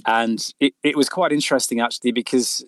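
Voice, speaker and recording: A man's voice: medium pitch, steady tone, brisk, fairly bright tone, no echo. A middle-aged man chatting casually as an interviewed author, telling things in a rambling way with stammered repeats. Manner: rambling storyteller with frequent stammered repeats and "you know".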